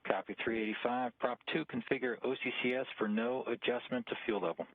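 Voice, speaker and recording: A man's voice: medium pitch, fairly even intonation, a little fast, no room sound. A man serving as launch conductor, calling formal countdown checks over a radio communications loop in a clipped, procedural manner. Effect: radio comm loop transmission. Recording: dry, tinny radio channel.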